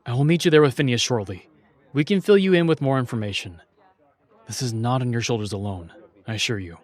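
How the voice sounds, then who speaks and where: A man's voice: medium pitch, a little fast, lightly acted. A man playing a stern, protective royal guardian in a fantasy audio drama, speaking in a firm, serious way. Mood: reassuring, firm.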